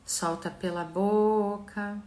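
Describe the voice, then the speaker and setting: A Brazilian woman leads a guided relaxation and visualization in a slow, gentle, soothing manner with long pauses. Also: mid-range voice, fairly even intonation. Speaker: mentor and therapist leading a live session. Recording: echoey room sound.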